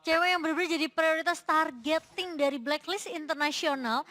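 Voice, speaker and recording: A woman's voice: high-pitched, fairly quick, bright, forceful tone. A woman with an Indonesian accent commentating on an esports match as a caster.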